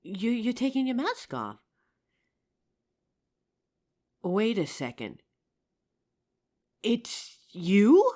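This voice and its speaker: A woman playing an injured young survivor of a zombie apocalypse in a roleplay audio drama, with halting, emotive delivery. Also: a little high, wildly swooping pitch, dark tone, full character voice. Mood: amazed, relieved.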